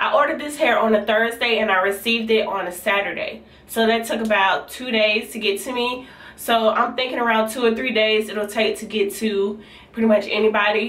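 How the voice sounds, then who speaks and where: Fairly high-pitched female speech, fairly quick and fairly even in intonation, over noticeable background noise. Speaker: beauty vlogger. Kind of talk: casual talk to camera.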